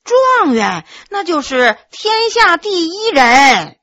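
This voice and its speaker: A woman's voice: very high voice, very animated, takes it slowly, bright, forceful tone, no room sound, clean studio sound, pitched above the performer's own voice, heavily acted. Woman doing a dazed, pompous top scholar. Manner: rambling, self-important, flustered.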